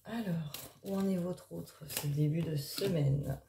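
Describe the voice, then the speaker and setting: A woman card reader talking casually in an early-morning voice, improvising and thinking aloud in a halting way with trailing pauses. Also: fairly low pitch, mellow, slight background noise. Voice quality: early-morning voice, which the speaker calls gruff. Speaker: tarot card reader and spiritual coach. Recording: echoey, reverberant room.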